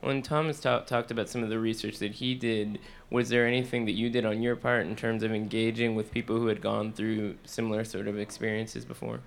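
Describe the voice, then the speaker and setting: A man's voice: on the low side, level tone, brisk, vocal fry, few pauses. A man interviewing an actor and a director, asking loose, conversational questions. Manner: conversational, loose phrasing with "like" and "sort of". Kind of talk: panel interview.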